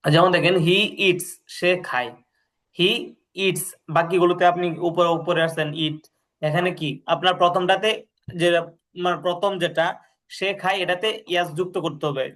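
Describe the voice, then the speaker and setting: A man's voice: high voice, fairly even intonation, a bit bright. A man tutoring English grammar, patiently repeating drills and checking that the student understands. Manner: reads English sentences slowly, then gives the translation. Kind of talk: explaining grammar in a lesson.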